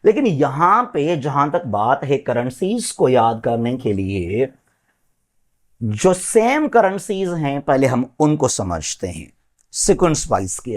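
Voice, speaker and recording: A man teaching a geography lesson, pointing along a map and repeating country and currency names, often checking in with his class. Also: medium pitch. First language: Sindhi.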